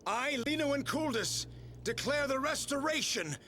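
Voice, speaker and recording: A man's voice: extremely high pitch, expressive, moderate pace, pushed and bright, slight background noise, full character voice. A man voicing the King of Obel, a stately ruler making formal ceremonial proclamations in a video game. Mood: solemn.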